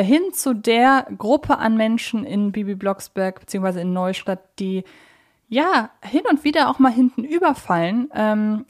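A woman's voice: fairly high pitch, a little mellow. A woman co-hosting a casual podcast, explaining her analysis in wordy, carefully phrased sentences. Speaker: podcast host. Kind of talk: casual analytical podcast conversation about a children's audio drama series.

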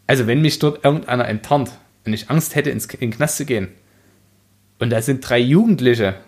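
A man chats as co-host of a book podcast. His voice sits at an average male pitch. He argues bluntly and casually, with plenty of slang. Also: a little fast, a little mellow.

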